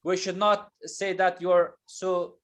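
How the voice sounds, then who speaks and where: A man teaching an English lesson, explaining patiently and slowly with many hesitations and fillers. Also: high-pitched, flat delivery. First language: not Turkish.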